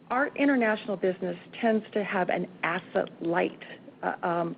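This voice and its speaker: Gravelly-edged businesswoman on a phone line. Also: medium pitch. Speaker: company executive. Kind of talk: earnings call answers. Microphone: conference call line. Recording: narrowband phone line, faint noise.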